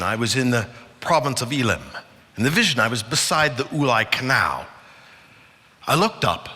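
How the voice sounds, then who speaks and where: A man delivers a dramatic scripture reading in a large hall with long reverb. His voice is bright and forceful, swinging widely in pitch. He phrases everything theatrically, leaning hard on key words and pausing deliberately. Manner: emphatic, theatrical, with deliberate pauses. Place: large indoor conference hall.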